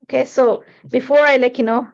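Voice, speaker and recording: A woman's voice: high-pitched, steady tone, brisk, vocal fry, lo-fi sound. A woman who is a native Spanish speaker, hosting a casual live craft tutorial in a chatty, informal, rambling way. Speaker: host of a craft livestream.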